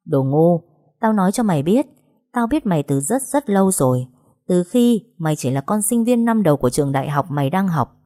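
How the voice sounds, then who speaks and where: A cruel, scheming woman villain who sneers her threats in a low, cold voice, as a woman reader puts her on. She hisses and scolds with open contempt. It is an audiobook-style story reading. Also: animated, a little fast, dark tone, no echo, clean studio sound, lightly acted. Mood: sneering.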